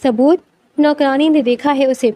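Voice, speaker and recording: A woman doing a harsh, accusing aunt from a storybook family drama, shrill and scornful. The voice is high, read in the narrator's own tone. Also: steady tone, warm tone, close to an everyday voice.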